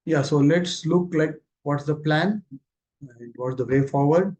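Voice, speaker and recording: A man's voice: fairly high pitch, unhurried, a little mellow. A man with an Indian accent giving a company results presentation as an executive on a conference call, speaking informally. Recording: muffled, lo-fi conference call audio.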